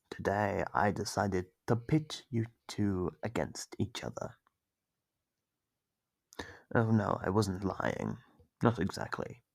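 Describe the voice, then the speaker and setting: A man voicing a smug, sadistic monster captor in a horror ASMR roleplay, with a gravelly, husky voice that often sinks to a whisper, taunting in a theatrical drawl. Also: low-pitched, dry recording, heavily acted. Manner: slow, taunting, theatrical drawl with drawn-out pauses. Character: sadistic male monster captor, smug, menacing, toying with prey.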